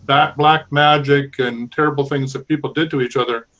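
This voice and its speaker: A man hosting a live call-in show, speaking calmly and with conviction. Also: medium pitch, normal speed. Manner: calm, talks about curses and spiritual healing with conviction. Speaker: host.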